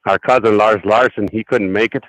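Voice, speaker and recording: Easygoing low-voiced male guest. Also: fairly even intonation, brisk, fairly bright tone, no echo, low-quality recording. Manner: easygoing, laughs often. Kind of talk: casual chat.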